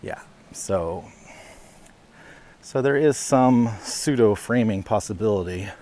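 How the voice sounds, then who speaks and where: A man's voice: lowish voice, slow pace, warm tone. A man chatting casually through a walk-and-talk vlog outdoors on city streets, a little out of breath, rambling with fillers and amused laughs, recorded on a lavalier mic. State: slightly out of breath from walking. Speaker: vlogger. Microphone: lavalier mic while walking.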